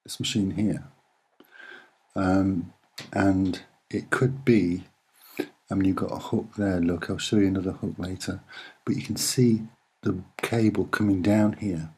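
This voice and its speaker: A soft-spoken man giving unscripted commentary on images in short, deliberate, hesitant phrases. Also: deep voice, steady tone, breathy edge. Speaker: amateur presenter explaining photographs.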